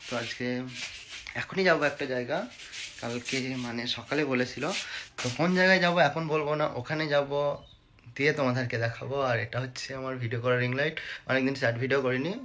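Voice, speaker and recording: A vlogger chats casually to the camera in a home vlog, moving between indoors and the yard. His mid-range voice is fast and a bit bright, and he keeps repeating "to" as a filler while addressing viewers directly. The phone recording is noisy.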